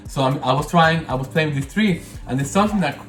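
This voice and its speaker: A man's voice: a little high, quick pace. A man with a Spanish accent talking through a candle-making session in a casual, rambling way, often correcting himself as he goes. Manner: rambling, self-correcting, chatty. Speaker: candle maker. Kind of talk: casual hands-on tutorial. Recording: roomy echo, faint music.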